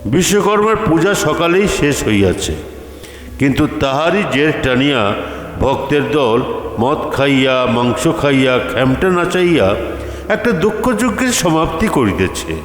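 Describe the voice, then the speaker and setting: Slow male storyteller in a reverberant hall. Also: on the high side, very animated. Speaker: story reader. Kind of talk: scripted literary story narration. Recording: echoey hall reverb, faint music. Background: faint background music.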